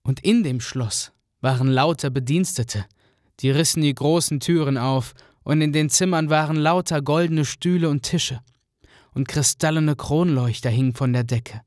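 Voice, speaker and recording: A man narrating a fairy tale in a radio play with an even, storytelling manner. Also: a little high, normal speed, no echo, studio quality.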